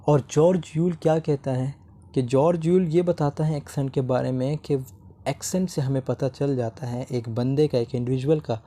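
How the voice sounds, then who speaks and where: Young male lecturer, unhurried delivery, warm, dark tone. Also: medium pitch. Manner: reads English definitions slowly, explains fast in Hindi-Urdu. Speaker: teacher. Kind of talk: recorded lecture mixing Hindi-Urdu and English.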